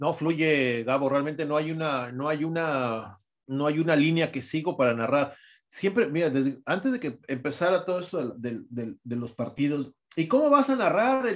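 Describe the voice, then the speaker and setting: On a very clean recording with a silent background, a man with a normal speaking voice and a fairly high pitch talks at a fairly slow pace with lively intonation. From Mexico City, Mexico. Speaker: sports play-by-play announcer and journalist. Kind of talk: casual interview.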